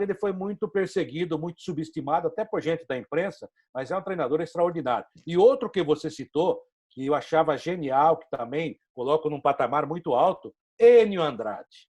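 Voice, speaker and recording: A male host with a Brazilian Portuguese accent chats on a sports talk show. His voice sits a little high, and he builds his opinions in long, fluent stretches. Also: fairly quick, hardly any pauses, a little mellow. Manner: opinionated, flowing commentary. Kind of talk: casual interview chat.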